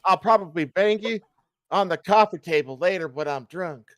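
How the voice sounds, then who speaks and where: A man's voice: high-pitched, moderate pace, no room sound. A man co-hosting a livestream with casual banter, teasing and encouraging his partner. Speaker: stream co-host.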